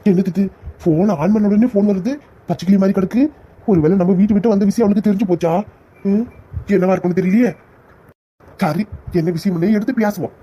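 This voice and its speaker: Man voicing harried young cartoon guy, stammering, mellow dark voice, quick. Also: high voice, husky. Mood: puzzled. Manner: stammering, muttering complaints to himself. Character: flustered young man, harried son caught between mother and fiancée. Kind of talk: cartoon comedy voice acting.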